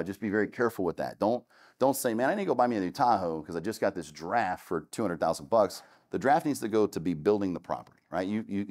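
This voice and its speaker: A man, casually and candidly talking a student audience through his start in real estate, with many restarts. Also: lowish voice. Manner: candid and conversational, with many restarts and "long story short". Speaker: real estate investor giving a talk.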